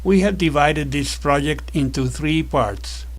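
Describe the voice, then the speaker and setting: A man narrating a scripted electronics tutorial as an instructor, explaining in a measured, methodical way. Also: a little high.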